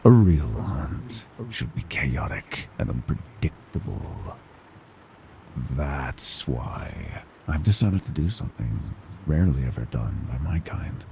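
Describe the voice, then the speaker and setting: A man's voice: big pitch swings, takes it slowly, mellow, slight background noise, full character voice. A man voicing a gleeful, predatory monster from under the bed in a horror ASMR roleplay, menacing and mockingly tender, savoring his words and slipping into whispers. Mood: eager, sinister. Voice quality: very deep, gravelly creaking growl.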